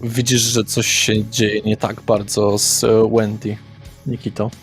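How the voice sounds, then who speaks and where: A man as game master, narrating and directing players in a brisk, matter-of-fact way. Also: fairly low pitch, little pitch movement, faint music behind.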